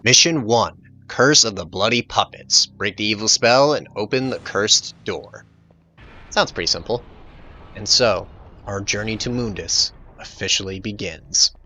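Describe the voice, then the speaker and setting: A man's voice: lowish voice, measured pace, sharp tone. A man giving casual, jokey gameplay commentary as the host of a let's play.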